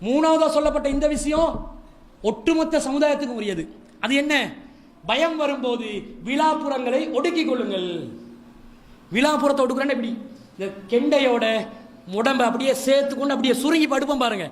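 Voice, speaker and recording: High pitched sri guy preaching, jokey storytelling, does little voices. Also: brisk, long pauses. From Sri Lanka. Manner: humorous, lively storytelling with mimicry and asides. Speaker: Islamic preacher. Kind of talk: Ramadan lecture series talk.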